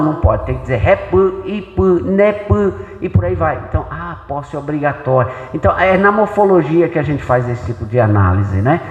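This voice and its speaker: A man's voice: fairly high pitch, highs cut off. Brazilian man lecturing in an echoey church hall. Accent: Brazilian Portuguese. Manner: explanatory, conversational, checks in with rhetorical questions. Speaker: pastor and Bible translator giving a talk. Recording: echoey hall with long reverb.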